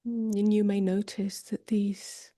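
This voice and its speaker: A woman meditation teacher leading a guided meditation softly and gently, often drifting toward a whisper, with long pauses. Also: mid-range voice, level tone, no echo, clean studio sound. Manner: soft, breathy delivery drifting toward a whisper.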